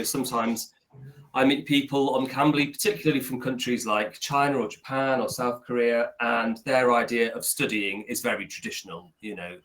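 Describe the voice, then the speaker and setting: A man's voice: mid-range voice, fairly bright tone, rough recording. A man, tutoring a student in casual conversation over a video call, repeating points for emphasis. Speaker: English tutor.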